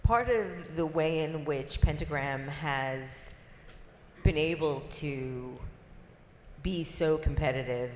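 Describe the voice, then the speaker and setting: A woman's voice: a bass voice, a little hiss or hum. A woman hosting a live conference panel, affirming the speakers with brief interjections before steering the conversation on. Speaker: conference host and moderator. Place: conference stage before an audience. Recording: reverberant live conference hall.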